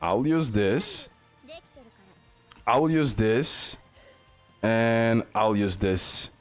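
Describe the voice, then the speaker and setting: A man's voice: medium pitch, very animated, drawn-out words, soft background music. A man giving casual, unscripted gameplay commentary as a video host, often repeating short phrases over and over.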